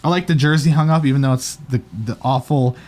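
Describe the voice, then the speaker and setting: A man's voice: medium pitch, steady tone, quick pace, darkish tone. A man hosting a casual chat show, talking chattily and hesitantly with a slight lisp from a retainer. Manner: chatty, hesitant, lots of ums. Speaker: show host. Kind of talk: casual chat reviewing setups.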